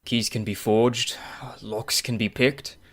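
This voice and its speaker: An actor playing a skeptical doctor who argues calmly for rational explanations. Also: male voice, fairly low pitch, takes it slowly, no echo. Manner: skeptical, reasoned.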